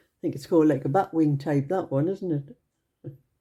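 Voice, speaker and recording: Speaking with a British accent, a woman uses a fairly low pitch. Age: 70s. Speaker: knitting video maker. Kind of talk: casual show-and-tell. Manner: meandering, conversational.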